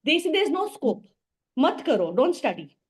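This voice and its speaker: A woman with a fairly high voice and a Goan Indian accent speaks off the cuff as an interview guest. She explains things haltingly, repeating and reworking phrases as she goes. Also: big pitch swings. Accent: Goan Indian English. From Goa, India. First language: Portuguese and Konkani. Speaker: language teacher, interview guest. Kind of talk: spontaneous interview answers.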